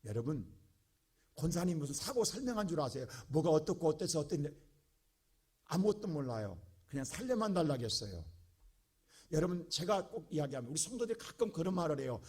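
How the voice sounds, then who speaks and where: A male pastor preaching a sermon with passion, going from quiet talk to shouting. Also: a little high, very animated, brisk, breathy edge.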